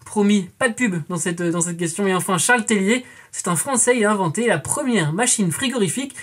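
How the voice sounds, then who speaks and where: A young woman hosts a scripted culture quiz with a slightly husky, breathy voice. She talks to her audience like friends and drops playful, joking asides between the questions. Her pitch sits in a middle register. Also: expressive, a little fast. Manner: chatty, addresses viewers as friends with playful asides. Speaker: quiz show host.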